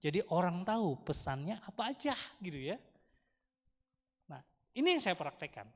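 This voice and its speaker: Male speaker with an Indonesian accent, higher than typical, chatty and engaging with the room, miked in a reverberant temple hall. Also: moderate pace. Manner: lively, chatty, asks the audience questions. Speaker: Dharma talk speaker. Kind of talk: casual Dharma talk to a temple congregation. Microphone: handheld microphone through speakers.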